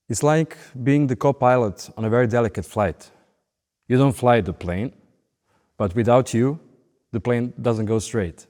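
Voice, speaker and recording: A man in his late thirties with a Serbian accent, speaking as an interviewed musician in short, deliberate phrases. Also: medium pitch, darkish tone. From Belgrade, Serbia. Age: late 30s. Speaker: professional orchestral violinist being interviewed. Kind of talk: interview monologue. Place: large recording hall. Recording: long hall reverb.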